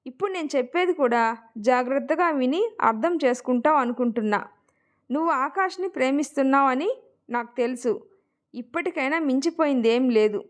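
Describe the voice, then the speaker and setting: A menacing unseen man makes cold, measured threats over the phone, voiced by a woman narrating the story. The voice stays high and light, with no attempt to sound deep. It is a storybook villain delivered in an even, deliberate way. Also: lightly acted.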